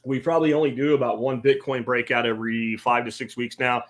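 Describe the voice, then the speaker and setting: A man's voice: medium pitch, level tone, a little fast. A middle-aged man from central Pennsylvania hosting a podcast, talking in a casual, folksy and emphatic way, including sponsor reads. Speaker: podcast host.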